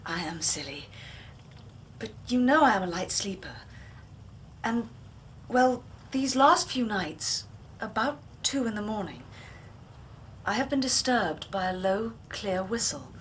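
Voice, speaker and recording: An actress playing a frightened young woman who speaks softly and gently to her twin sister. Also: medium pitch, animated, slow, pauses often, a little hiss or hum. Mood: uneasy. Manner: soft and gentle, then shrieking in anguish. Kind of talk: radio drama acting.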